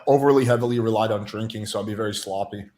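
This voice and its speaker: A young Russian man guesting on a podcast speaks fast in a fairly low, steady, darkish voice. In casual chat, he tells candid, self-deprecating stories about his past.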